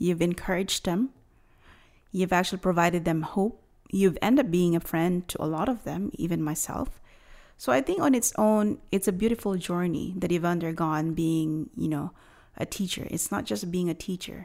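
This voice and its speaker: On a very clean recording with a silent background, a woman speaks in a normal speaking voice at a moderate pace, her pitch fairly low and her intonation lively. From immigrant to Canada. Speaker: podcast host. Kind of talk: interview.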